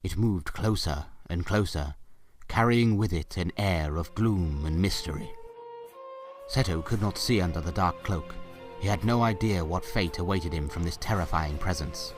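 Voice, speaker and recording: A man narrating a scripted story in a dramatic, expressive storytelling style. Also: deep voice, moderate pace, over music. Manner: expressive, theatrical.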